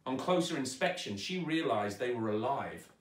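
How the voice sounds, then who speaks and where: A man narrating a children's story aloud with dramatic, expressive delivery, recorded in a roomy space at some distance. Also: medium pitch, normal speed. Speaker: storyteller, actor reading aloud. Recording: roomy echo, distant microphone.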